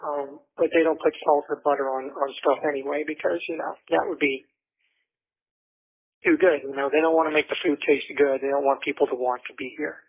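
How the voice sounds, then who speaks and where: A man chatting casually and haltingly over a prison phone line. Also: on the high side, steady tone, breathy edge. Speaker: jail inmate on a phone call. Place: jail phone in a pod. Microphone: telephone handset.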